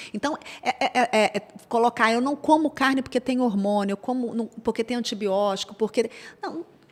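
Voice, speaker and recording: A woman's fairly high voice with a Minas Gerais accent, ordinary pitch variation and a moderate pace. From Minas Gerais, Brazil. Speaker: nutritionist and food engineer. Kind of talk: interview.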